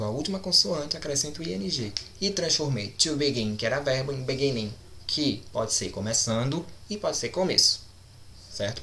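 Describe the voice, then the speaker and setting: A male teacher walks through English grammar in a recorded online lesson. He speaks slowly and deliberately at a middling pitch, with a bright, forward tone, and he keeps checking that his students are following. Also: slight background noise. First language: Portuguese. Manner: slow, deliberate explaining, checks in with "certo?".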